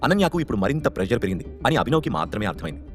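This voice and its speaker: A man narrating a scripted story and acting out the characters' lines. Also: soft background music. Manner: fast, animated reading that lifts pitch for quoted characters.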